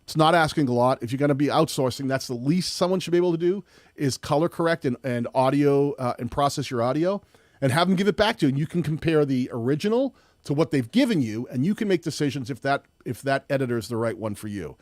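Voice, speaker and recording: A man with a loud voice hosting a live-streamed tutorial, chatty and rambling with frequent restarts. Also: medium pitch, animated, fast talker, no echo, clean studio sound. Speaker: host.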